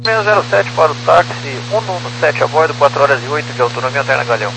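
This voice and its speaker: A man's voice: a little high, quick pace, gravelly. A Brazilian man, an airline pilot, giving clipped readbacks over crackly aviation radio. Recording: noisy crackly cockpit radio.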